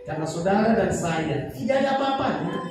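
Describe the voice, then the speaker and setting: High-pitched male preacher, emphatic and sing-song, heard from a distance in a cavernous church with soft music under him. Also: animated, a little fast. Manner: emphatic preaching, swinging between loud, sing-song lines and low, quiet ones. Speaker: pastor. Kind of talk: sermon. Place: church sanctuary. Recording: very echoey hall, voice far from the mic.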